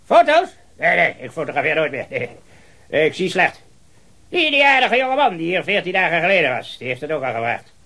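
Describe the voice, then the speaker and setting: A husky, animated old colonel. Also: male voice, on the high side, moderate pace, full character voice. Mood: hearty, sociable. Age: older. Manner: rambling, hearty, with repeated affirmations and chuckles. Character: talkative, hard-of-hearing, jovial old retired colonel. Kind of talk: radio drama acting.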